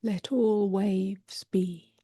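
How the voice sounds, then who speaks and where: A woman meditation teacher leading a guided meditation softly and gently, often drifting toward a whisper, with long pauses. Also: medium pitch, fairly even intonation, dry recording, clean studio sound. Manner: soft, breathy delivery drifting toward a whisper.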